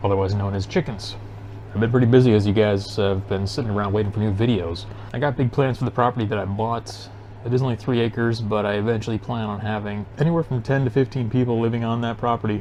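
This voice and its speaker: Very fast speech with fairly even intonation amid noticeable background noise. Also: man, fairly low pitch for a man. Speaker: van life vlogger. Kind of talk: casual vlog narration. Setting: inside a converted moving truck at night.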